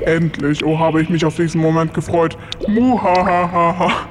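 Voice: medium pitch, monotone, brisk, darkish tone, in a large hall, slight background noise, lightly acted. A performer playing a grumpy, scheming villain pig in a children's story play. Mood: gloating.

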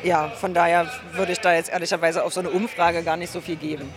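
High-voiced man in a street interview. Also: flat delivery, fast talker, music in the background. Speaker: interviewee at a demonstration.

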